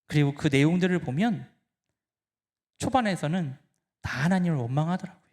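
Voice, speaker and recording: A male pastor delivers an impassioned sermon, his pitch leaping and falling in a lively, animated way. He drops to near-hushed lines and then rises hard, speaking directly to the congregation as he preaches. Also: fairly quick. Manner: impassioned, swinging between hushed and loud.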